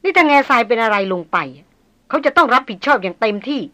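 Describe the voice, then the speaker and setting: A hot-tempered young noblewoman in a storybook voiced by a woman narrator presses with pointed questions and indignant complaints. Her voice rings bright and sharp. She is quick to anger and easily worried. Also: a little high, expressive.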